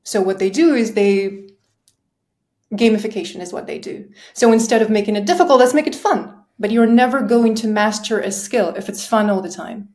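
This is a woman from Kazakhstan who speaks English, at an ordinary mid pitch. She is a teacher and a podcast guest. She presses her points about learning in an earnest, emphatic way. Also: moderate pace, darkish tone. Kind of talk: podcast conversation.

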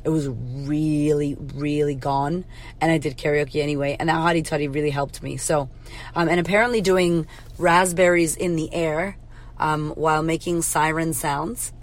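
A woman hosts a podcast in a casual, punchy monologue, her voice husky and a little hoarse. She sits slightly low in pitch and swears freely as she urges listeners to know their worth. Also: fairly even intonation, normal speed. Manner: blunt, swears freely, motivational. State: hoarse from karaoke. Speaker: podcast host, confidence coach. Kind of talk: casual pep-talk monologue.

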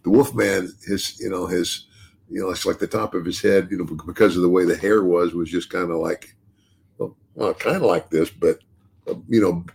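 An older man, chatting on a podcast in a halting way, repeating himself and laughing often. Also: steady tone, gravelly, a little mellow, slightly rough. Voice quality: deep bass voice. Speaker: podcast host and retired wrestler. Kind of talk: casual podcast chat.

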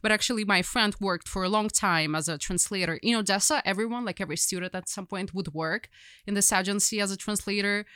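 A young woman with a Ukrainian accent speaks fast in a bright, pushed mid-range voice with a clean tone. She's a journalist guest telling her story in casual conversation, rambling with lots of fillers and restarts. The recording is dry, with clean studio sound.

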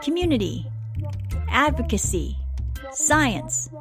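A woman's voice: sits high, sing-song, slow. A woman host reading a scripted podcast introduction in an upbeat, emphatic way. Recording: voice over clear music.

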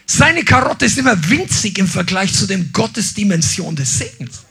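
Guy preaching, high bright voice, kinda husky, gets loud and lively. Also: moderate pace, soft background music. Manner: animated, shouts emphasis, acts out quotes. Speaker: pastor. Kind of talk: sermon.

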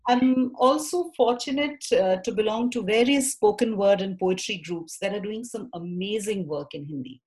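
A woman's voice: medium pitch, moderate pace, few pauses, a little mellow, poor audio. A woman, a poet and theatre maker, answering interview questions thoughtfully and with frequent restarts. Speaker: poet and theatre practitioner guest.

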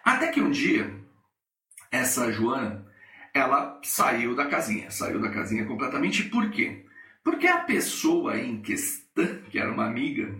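A man's voice: mid-range voice, a little slow, echoey room, recorded from a distance. A middle-aged Brazilian man hosting a coaching podcast, telling a workplace story and acting out the people in it. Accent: Brazilian Portuguese. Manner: animated, acts out the people in his stories. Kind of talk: storytelling monologue.

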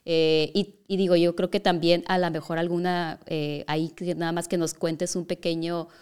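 A woman's voice: on the low side, little pitch movement, normal speed, a little mellow, clean tone. A woman hosting a podcast, interviewing in a casual, chatty way with wordy, roundabout questions.

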